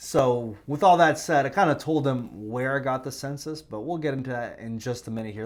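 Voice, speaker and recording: Fairly quick delivery with ordinary pitch variation. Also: man. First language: not English. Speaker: history channel host. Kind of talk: casual commentary on screen documents. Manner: conversational, many fillers.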